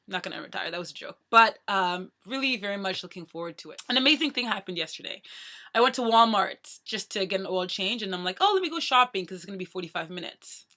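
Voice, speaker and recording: A woman in her thirties chatting casually to her viewers in a playful way, talking very fast. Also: mid-range voice, pushed and bright. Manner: talks very fast. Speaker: vlogger. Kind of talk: casual chat to camera.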